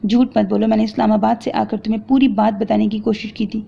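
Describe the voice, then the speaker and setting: A woman's voice: a little high, little pitch movement, vocal fry, dark tone, breathy edge, exaggerated voice. A woman reading the lines of an angry young man who harshly accuses and lectures his wife, in a romance audio novel. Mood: angry, accusing. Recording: dull lo-fi recording.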